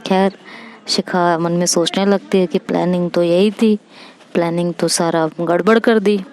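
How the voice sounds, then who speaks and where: A woman narrating a story in a chatty, conversational way with quick asides. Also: fairly low pitch, steady tone, darkish tone, slight background noise. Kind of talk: casual spoken storytelling.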